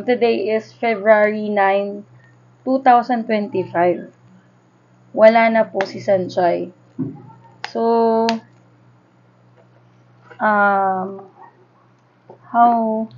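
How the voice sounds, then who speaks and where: A woman's voice: mid-range voice, a little hiss or hum. A Filipino woman in her thirties chatting casually and nostalgically in Taglish as she vlogs an unboxing. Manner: nostalgic, informal, conversational. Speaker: vlogger unboxing a collectible. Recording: dull lo-fi sound.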